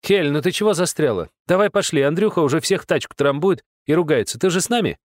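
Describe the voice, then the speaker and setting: A man's voice: fairly high pitch, expressive, fast talker, dry recording, studio quality, pitched above the performer's own voice, lightly acted. A man voicing a pushy young woman hurrying her friend off to a party, in an audiobook. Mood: impatient.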